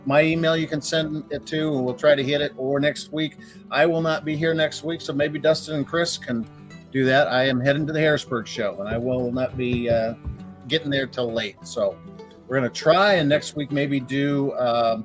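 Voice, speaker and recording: A man hosting a live question-and-answer show, talking casually and telling jokes in a folksy way with plenty of fillers. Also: mid-range voice. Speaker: host.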